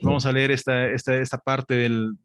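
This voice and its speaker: Man preaching a sermon, mid-pitched voice, dry recording, emphatic rising delivery, slow scripture reading. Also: level tone, fairly bright tone, clean tone, dry recording. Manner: addresses listeners as brothers, builds to emphatic raised pitch; reads scripture aloud with slow, stressed delivery.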